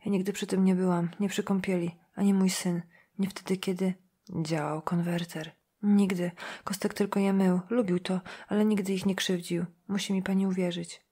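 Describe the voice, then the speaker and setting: A woman reading a weary older farm wife and guilt-ridden mother, speaking in a hushed, pleading, sad way. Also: medium pitch, level tone, moderate pace, husky, close to an everyday voice.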